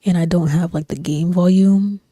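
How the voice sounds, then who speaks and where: A young woman streamer chatting casually while she plays, in a soft-spoken, breathy, near-whispered voice that rambles with lots of fillers. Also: fairly low pitch, moderate pace, no room sound, clean studio sound. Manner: rambling, relaxed, frequent fillers and slang. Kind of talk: casual chat while gaming. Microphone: desk microphone.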